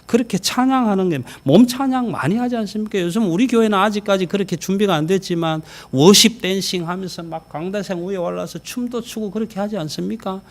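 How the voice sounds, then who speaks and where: A male senior pastor preaching a sermon in a church, talking straight to the congregation and swinging from loud exclamations to near whispers. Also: high-pitched, brisk, few pauses. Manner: conversational, addressing the congregation directly. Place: church sanctuary.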